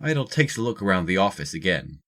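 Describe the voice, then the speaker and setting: Deep-voiced male story narrator. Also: sing-song, quick pace, a bit bright. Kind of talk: scripted audio drama narration.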